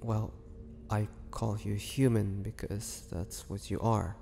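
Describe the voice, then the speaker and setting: In a dramatic audio roleplay, a man plays an imprisoned ancient vampire, weary, groggy and menacing, in a low, gravelly, warm voice with level tone. The delivery is slow, halting and brooding, full of pauses and taunting, with long cavernous reverb and background noise.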